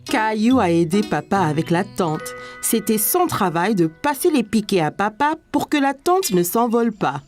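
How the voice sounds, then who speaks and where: Lively woman narrating a cartoon. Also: mid-range voice, normal speed, hardly any pauses. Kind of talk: scripted storybook narration. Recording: music bed under voice.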